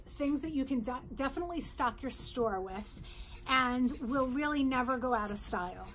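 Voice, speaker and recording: A middle-aged woman from New York, a jewelry designer, presenting her bracelets in a bright, chatty sales pitch in her showroom, close to the camera. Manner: upbeat, chatty sales pitch, holds up pieces. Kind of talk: virtual trade show product presentation. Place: indoor showroom with jewelry displays.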